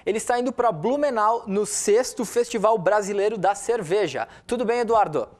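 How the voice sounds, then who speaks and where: A man's voice: sits high, normal speed, darkish tone. A man, hosting a TV panel and asking friendly, short questions. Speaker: TV talk show host.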